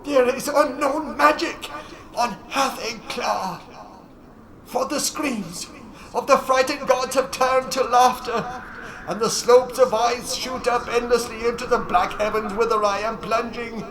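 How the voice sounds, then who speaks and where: Shrieking, frenzied old mountain mystic. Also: male voice, extremely high pitch, fairly even intonation, a crowd in the background, pitched above the performer's own voice, poor audio. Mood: wild exultation. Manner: shrieking, drawn-out exclamations. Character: wise old mountain climber, ecstatic then terror-stricken. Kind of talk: dramatic horror audiobook acting.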